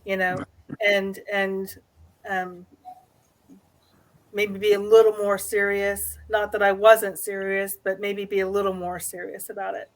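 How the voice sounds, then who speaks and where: A woman telling a personal story as an interview guest, speaking in a halting, tentative way. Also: mid-range voice, flat delivery. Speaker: guest, new paranormal investigator.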